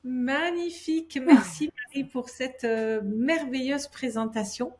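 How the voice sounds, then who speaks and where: A woman's voice: high voice, measured pace, a little mellow, slight background noise. A woman hosting and interviewing as an image consultant, upbeat and encouraging, with emphatic delivery. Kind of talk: presenter introduction and interview.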